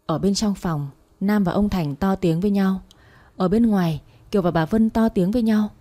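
Woman narrating a story, mellow tone. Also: medium pitch, normal speed. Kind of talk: first-person audio story narration. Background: faint music.

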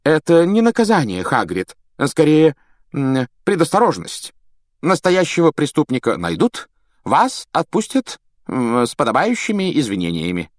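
A man's voice: on the high side, wildly swooping pitch, moderate pace, dry recording, clean studio sound, pitched above the performer's own voice. A man voicing a nervous, flustered middle-aged official who frets and pleads. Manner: fretful, pleading.

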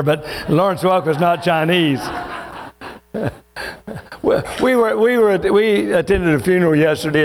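High-voiced folksy preacher. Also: male voice. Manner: folksy, joking, drawn-out preaching. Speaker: pastor. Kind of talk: sermon.

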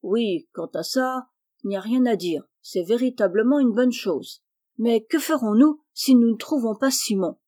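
A woman's voice: a little high, unhurried, mellow. A woman reading the part of a fearful country boy who whines in a tearful tone. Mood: anxious. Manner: tearful, whining. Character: whiny, fearful peasant boy.

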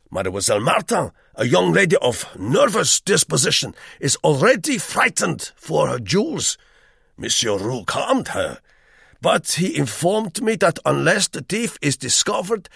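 Guy putting on a pompous german guest, high and loud, slow and weighty. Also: vocal fry, husky, dry recording, clean studio sound, full character voice. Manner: weighty, confiding, slow-spoken. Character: pompous middle-aged German hotel guest man.

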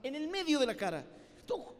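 Animated high-voiced preacher in a hall. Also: male voice, moderate pace, noisy background. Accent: Rioplatense Spanish. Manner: animated storytelling with acted-out voices. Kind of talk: lively youth sermon. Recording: live sermon with long hall reverb.

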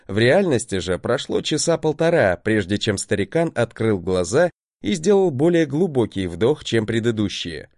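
Man, audiobook narrator, wry first-person telling, animated pitch, dry close sound. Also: normal speed, dry recording. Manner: wry, conversational.

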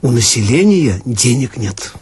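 A man's voice: mid-range voice, sing-song, unhurried, darkish tone, breathy edge, no room sound, heavily acted. A man voicing a young, mannered duchess who complains about being short of money. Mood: complaining. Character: young impoverished duchess, mannered, self-pitying. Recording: archival radio recording with guitar music.

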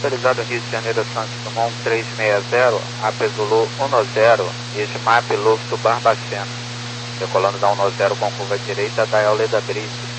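A man with a Brazilian accent, an airline pilot reading back clearances over two-way radio. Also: fairly low pitch, flat delivery, normal speed. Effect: aviation two-way radio. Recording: noisy cockpit radio with mains hum.

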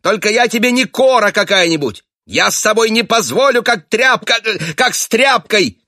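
A shrill, screeching wife in a towering rage. She flies very high and swoops wildly, with a bright, piercing edge and a dry, close sound. Her accusations pour out without letup. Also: animated, moderate pace, dry recording, exaggerated voice. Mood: bitter, accusing. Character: shrill furious adult wife shrieking at husband. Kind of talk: audiobook character voice.

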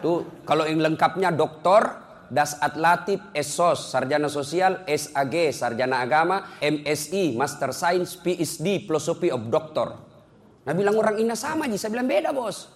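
Man, humorous religious lecture, very expressive pitch, animated storyteller. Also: normal speed, long reverb tail. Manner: animated storyteller, jokes and chuckles often. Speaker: preacher.

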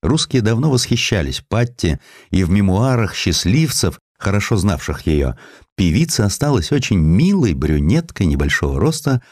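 A man reading historical sketches as scripted dramatic narration, with literary, expressive storytelling. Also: lowish voice, moderate pace, no room sound, clean studio sound. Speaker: audiobook narrator.

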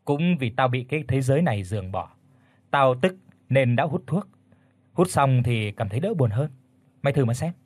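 Guy reading as a rude teenage schoolgirl, cussing and teasing, husky dry voice. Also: mid-range voice, lively intonation, moderate pace, darkish tone, dry recording, close to an everyday voice. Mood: coaxing. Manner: blunt, swearing, teasing. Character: brash foul-mouthed teenage schoolgirl.

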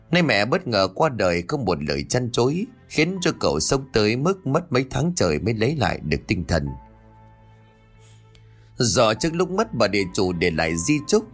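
A male storyteller reads a dramatic tale in a husky, breathy voice. His pitch rises and falls expressively through the scenes. Faint background music plays beneath him. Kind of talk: scripted dramatic story narration.

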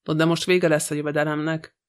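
A man's voice: on the high side, little pitch movement, smooth, natural voice. Man voicing Françoise, a grumbling old housekeeper. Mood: gossipy. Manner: grumbling, scornful. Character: old grumbling female housekeeper, sly and gossipy.

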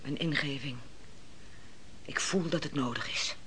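Grave terse woman sensing danger, deep for a woman, sharp, radio play. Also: unhurried, a little hiss or hum, poor audio. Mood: grave, resolute.

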